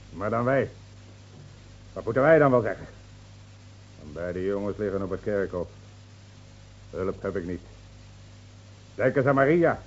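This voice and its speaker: An actor playing an earnest villager in a radio play, reproachful and standing up for the downtrodden. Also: male voice, mid-range voice, a little mellow, close to an everyday voice. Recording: muffled old radio play recording.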